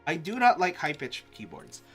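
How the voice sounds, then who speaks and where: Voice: medium pitch, very animated, moderate pace, music in the background. A live streamer casually thinking aloud, muttering to themself with restarts and sudden exclamations. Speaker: live streamer testing keyboards.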